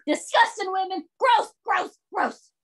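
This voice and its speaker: A woman's voice: extremely high pitch, expressive, unhurried, fairly bright tone, heavily acted. A woman reading the part of an indignant, jealous wife, disgusted and moralizing, during a screenplay table read.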